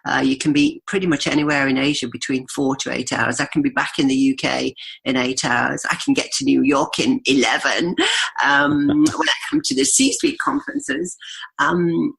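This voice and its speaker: A woman's voice: extremely low pitch, moderate pace, vocal fry, fairly bright tone, slightly rough, poor audio. A woman in her fifties with a Yorkshire accent, chatting as a guest and telling stories with frequent laughs. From Yorkshire, England. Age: 50s. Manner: chatty, laughs often, storytelling. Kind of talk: podcast interview.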